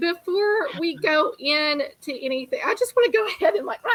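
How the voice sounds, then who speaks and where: In a Kentucky accent, a woman speaks at a moderate pace with very wide pitch swings, the sound dry and close with no echo. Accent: country Kentucky. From Kentucky, US. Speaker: podcast host. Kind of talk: interview. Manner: casual, animated.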